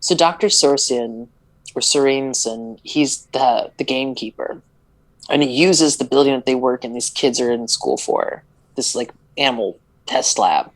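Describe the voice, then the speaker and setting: A woman with a notably deep, low voice chatting loosely on a podcast as she recaps a film. She rambles along with constant "like" fillers, tripping over tricky words and chuckling now and then. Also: a little slow, rough recording. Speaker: podcast co-host. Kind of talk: casual movie recap chat.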